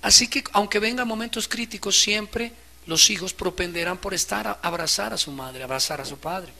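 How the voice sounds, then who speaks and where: A male pastor preaches with fervor, his fairly high voice carrying a gravelly edge. His tone is bright and sharp, and he swings from hushed, low asides to loud, impassioned peaks. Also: normal speed, a little hiss or hum. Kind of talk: sermon.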